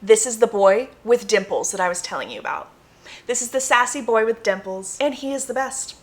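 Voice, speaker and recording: This is a young American woman with a fairly high voice that swings widely up and down. She talks like a vlogger sharing favorites with her followers, casual and gushing. She leans hard on key words and likes to repeat a phrase for emphasis. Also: lively intonation, fairly quick. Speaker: book reviewer vlogger. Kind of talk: casual enthusiastic vlog chat to viewers.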